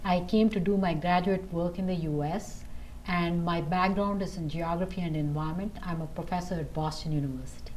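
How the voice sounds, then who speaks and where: A woman from India introducing herself as a geography professor on a panel, brisk and concise. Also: lowish voice, a little mellow, slight background noise. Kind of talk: panel discussion.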